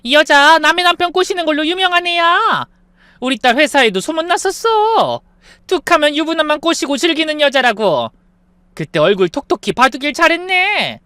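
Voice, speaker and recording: A man doing a loud excited older woman. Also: fairly high pitch, brisk, few pauses, no echo. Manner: shouting, excited.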